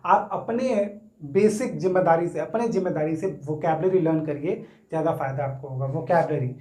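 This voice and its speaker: A man teaching English grammar in a casual Hindi lesson. He explains step by step, stretches words out slowly when sounding them, and keeps checking in with his students. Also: fairly high pitch, a little mellow. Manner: explains step by step, often checks in with "theek hai na". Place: room, writing on a board. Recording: echoey room.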